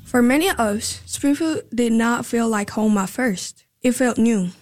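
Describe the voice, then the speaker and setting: A woman's voice: a little high, unhurried, a little mellow. A young woman student reporter reading scripted podcast narration in a careful, earnest way.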